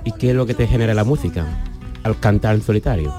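A man with a fairly low voice, asking the guest careful questions on a radio show. Faint music hums under the conversation. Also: fast, mellow.

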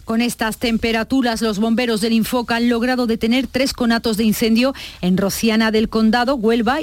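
Measured Andalusian woman reading news. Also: fairly high pitch, no echo. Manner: steady, measured delivery. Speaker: news anchor. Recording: dry studio sound.

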